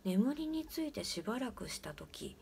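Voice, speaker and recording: A woman's voice: a little high, very animated, moderate pace, vocal fry, a little hiss or hum. Woman whispering a ghost story. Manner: hushed, often whispering.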